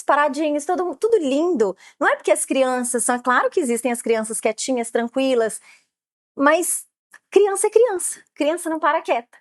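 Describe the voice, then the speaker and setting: A Brazilian woman in her late thirties talks on an interview podcast, her voice sitting high and bright in pitch. She explains her work eagerly, piling on fillers as she goes. The sound is close and dry, with no room around it. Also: no echo. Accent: Brazilian Portuguese. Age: late 30s. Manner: lively, explanatory, many fillers. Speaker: photographer guest.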